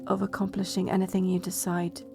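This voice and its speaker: A woman's voice: medium pitch, completely flat delivery, fairly quick, vocal fry, over music, lightly acted. A woman playing a proud, blunt betrothed princess in a medieval romance audio roleplay, sardonic and exasperated in manner. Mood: subdued reading. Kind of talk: romance audio roleplay acting, addressed to listener.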